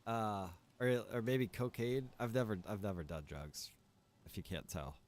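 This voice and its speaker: Laid-back lower-voiced gaming streamer man. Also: normal speed. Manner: rambling, relaxed, chatty with viewers. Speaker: streamer and server owner. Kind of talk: casual gaming stream chat.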